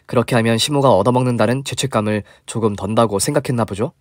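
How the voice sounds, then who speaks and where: A man's voice: medium pitch, fast talker, no room sound, studio quality. Man narrating a chatty story.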